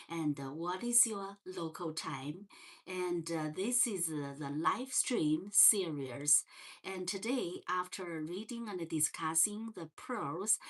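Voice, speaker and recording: Woman, Chinese accent, unhurried, gentle livestream host, slightly low voice. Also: breathy edge. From China. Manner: slow and gentle, many fillers and restarts. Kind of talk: casual livestream chat. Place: parents' home.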